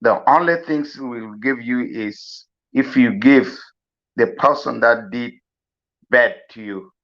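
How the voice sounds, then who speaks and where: A man from South Sudan giving a slow, earnest farewell address, pleading with many pauses. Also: medium pitch, a bit bright. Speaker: mourner giving a eulogy. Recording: dull lo-fi recording.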